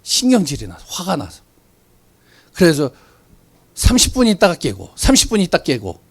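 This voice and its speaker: Male pastor, sermon delivery; high, very expressive pitch, rhetorical questions, sudden hushed drops. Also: normal speed, breathy edge.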